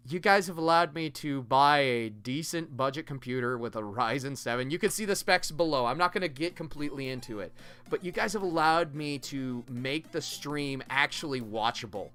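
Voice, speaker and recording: A man's voice: medium pitch, normal speed, bright, forceful tone, smooth. A man hosting a livestream, talking casually and earnestly as he thanks viewers. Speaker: livestream host.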